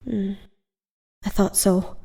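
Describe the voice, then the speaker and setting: An actress playing a timid, flustered small-town woman in an audio drama, halting and stammering. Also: medium pitch, fairly even intonation, gravelly, mellow, slightly rough, full character voice. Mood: uneasy, disgusted.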